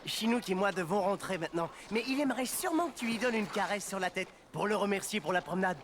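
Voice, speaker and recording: A man's voice: high voice, animated, quick pace, noisy background. A man voicing a friendly, patient sled-dog driver in a children's cartoon, explaining things encouragingly. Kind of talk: animated children's cartoon dialogue.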